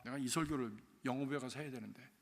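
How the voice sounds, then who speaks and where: A man pastor telling a story in a sermon, with emotive swings in loudness. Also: mid-range voice, quick pace, gravelly, long reverb tail. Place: church sanctuary.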